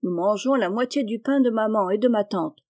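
A woman reading aloud, voicing a kind, patient young boy who coaxes and reasons gently. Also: medium pitch, fairly quick, close to an everyday voice. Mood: coaxing. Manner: coaxing, earnest pleading. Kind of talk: audiobook reading.

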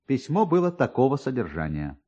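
A man narrating a literary story in an expressive style. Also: medium pitch, brisk, breathy edge, dull audio.

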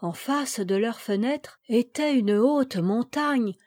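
A woman's voice: fairly high pitch, slow pace, a little mellow, no room sound, clean studio sound. Woman reading a fairy tale aloud. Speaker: reader. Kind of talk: storybook reading.

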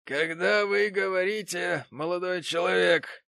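Pompous wealthy father in an audiobook, voiced by a male reader: lofty, indignant, slow, dry close sound. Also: high-pitched, gravelly, sharp tone, no echo, voice pushed up, exaggerated voice. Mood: haughty. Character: pompous rich middle-aged father, a brass founder. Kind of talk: audiobook character reading.

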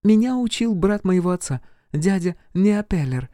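A man's voice: sits high, expressive, moderate pace, mellow, dry recording, clean studio sound, voice pushed up. A male reader voicing a shy, polite young common-born girl, humble and respectful.

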